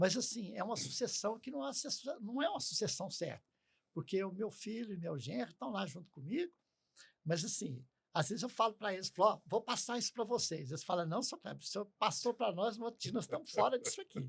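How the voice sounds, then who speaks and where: Here a man's high pitch makes very wide swings. He talks at a fairly quick pace. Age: 70s. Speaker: business owner. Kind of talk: interview conversation. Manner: animated, repetitive.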